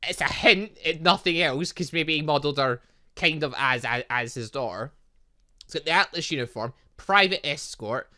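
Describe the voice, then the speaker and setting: A man giving excitable, rambling casual commentary as he plays a visual novel as a gaming host. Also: fairly high pitch. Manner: excitable, rambling, reacting aloud. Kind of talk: casual game commentary with lines read aloud from a visual novel.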